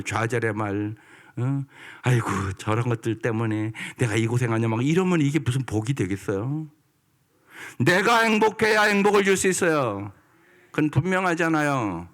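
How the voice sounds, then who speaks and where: A male pastor giving a sermon in a church, lively and often prodding the congregation for answers. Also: mid-range voice. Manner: lively, prods the congregation for responses. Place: church sanctuary.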